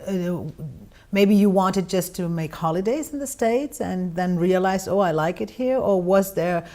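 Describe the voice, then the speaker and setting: A woman's voice: on the low side, a little slow, mellow. Woman asking frank questions. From Germany. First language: German. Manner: inquisitive, frank, emphatic. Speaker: interviewer. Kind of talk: interview conversation.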